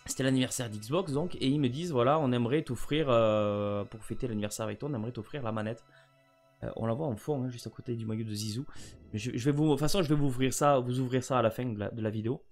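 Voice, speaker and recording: A French man chatting casually to camera about a gift, often rambling and stammering over his words. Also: mid-range voice. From France. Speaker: gaming vlogger.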